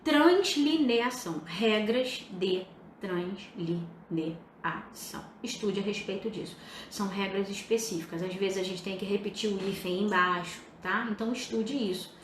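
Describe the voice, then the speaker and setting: A young adult woman teaching writing on a live stream, emphatic and lively, addressing her students directly. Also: medium pitch, brisk. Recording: echoey room with faint hiss.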